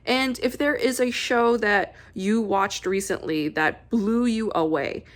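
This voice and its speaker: A woman's voice: medium pitch, measured pace. A woman podcast host talking casually to her listeners, chatty and repeating herself for emphasis.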